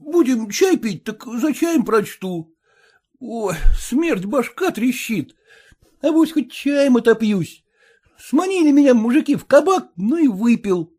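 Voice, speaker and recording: A man's voice: very high-pitched, sing-song, slow, darkish tone, husky, pitched above the performer's own voice, full character voice. A man voicing a drowsy, hungover young peasant who drawls lazily and yawns between words. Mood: groggy.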